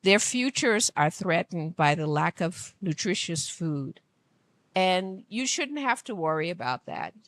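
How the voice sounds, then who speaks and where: A woman from Liberia giving an earnest, emphatic speech at an event, speaking slowly. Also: on the low side, sing-song, fairly bright tone. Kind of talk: formal public speech. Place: conference room.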